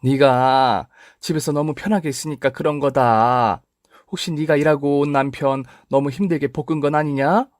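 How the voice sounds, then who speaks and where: A man's voice: on the high side, fairly even intonation, normal speed, dry recording, studio quality, voice pushed up, natural voice. A man voicing an older mother who lectures her daughter and sides with the son-in-law. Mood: lecturing. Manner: lecturing, scolding.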